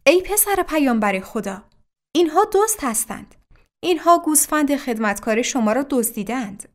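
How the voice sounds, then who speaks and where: Woman doing an angry villager man, loud, accusing, high. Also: lively intonation.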